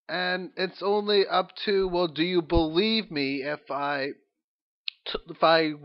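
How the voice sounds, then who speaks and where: A man giving an informal, opinionated monologue as host of an audio log, halting and rambling as he thinks aloud. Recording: dull, low-quality lo-fi audio log.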